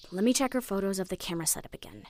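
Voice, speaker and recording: A woman's voice: mid-range voice, slight background noise. An actress playing an intense, sweary, perfectionist young woman and protective older sister in a sci-fi audio drama. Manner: muttering to herself, self-critical.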